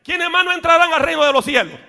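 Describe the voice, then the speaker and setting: High-voiced pastor, church echo. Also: male voice, lively intonation, fast talker, creaky. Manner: preaching with shouted peaks and joking asides. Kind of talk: sermon. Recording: long reverb of a church hall.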